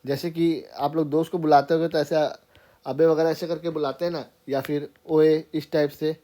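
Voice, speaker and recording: This man has a voice on the high side, dark and level, at normal speed. He teaches grammar informally to a class, explaining step by step and repeatedly checking in with "theek hai".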